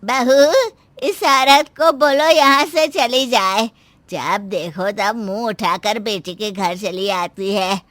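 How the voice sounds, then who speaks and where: A woman's voice: medium pitch, slow, a bit bright, no room sound. A woman voicing a proud, stern middle-aged mother-in-law in a cartoon story, with a commanding, scolding manner. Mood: scornful. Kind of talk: Hindi cartoon voice acting.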